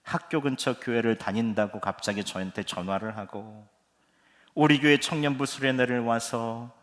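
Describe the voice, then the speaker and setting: A man's voice: mid-range voice, moderate pace. A middle-aged man preaching a sermon as pastor, telling stories vividly and acting out the people he quotes. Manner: animated storytelling that acts out quoted speech. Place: church sanctuary. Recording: long reverb of a church hall.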